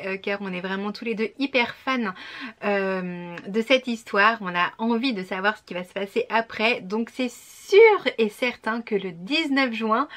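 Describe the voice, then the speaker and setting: A woman talks through the month's book releases in a relaxed, chatty vlog voice. She hesitates often, filling pauses with small sounds before picking up her thread, and her pitch sits slightly high. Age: 30s. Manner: chatty, frequent hesitations with "euh". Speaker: book vlogger. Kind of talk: casual book release roundup.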